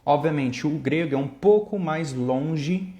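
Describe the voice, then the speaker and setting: A man's voice: on the high side, measured pace, warm tone, echoey room. A Brazilian man with a Brazilian Portuguese accent, talking casually in a vlog and explaining things step by step with examples. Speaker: language-learning vlogger.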